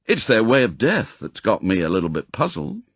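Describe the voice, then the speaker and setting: Man acting British secret agent, audiobook hero, urbane, wry, ironic, lowish voice, dry studio sound. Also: wildly swooping pitch, moderate pace, vocal fry, husky, no echo, exaggerated voice.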